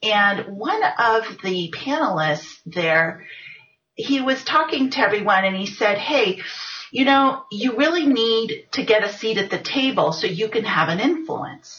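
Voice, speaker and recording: Lively intonation marks this voice with an American accent, which moves at a fairly slow pace. Noticeable background noise sits behind it. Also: woman. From born in US, raised in French-speaking Europe. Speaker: author and civic workshop teacher. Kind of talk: interview.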